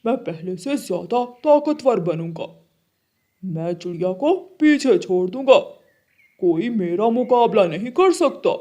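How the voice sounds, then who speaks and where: A man's voice: sits high, lively intonation, a little slow, mellow. A man voicing Kalu, a boastful crow. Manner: boastful, then wailing in panic.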